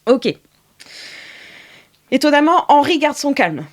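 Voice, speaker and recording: A woman's voice: sits high, sing-song, slow. A woman narrating as game master of an improvised tabletop game, hesitant and full of filler sounds. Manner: hesitant, many filler sounds, laughs often.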